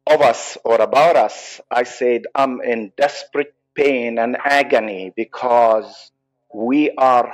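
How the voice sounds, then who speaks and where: A man with a Palestinian Arab accent, a psychologist guest on a podcast interview, speaking earnestly with halting restarts. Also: mid-range voice, low-quality recording. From Israel.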